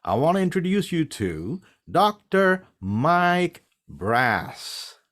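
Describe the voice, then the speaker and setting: A man's voice: a little high, very animated, slow pace, fairly bright tone. A man hosting an interview show over a video call, welcoming guests with enthusiastic introductions. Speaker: host.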